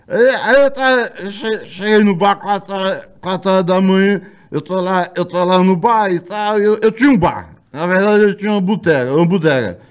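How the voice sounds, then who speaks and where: A man's voice: high-pitched, clear, resonant tone, lightly acted. A merry male drunk played by a man, a comedy barfly with a raised voice. He drags and repeats his phrases, giggling through his bar tales. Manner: halting, repetitive, giggly. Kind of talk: stand-up comedy character bit.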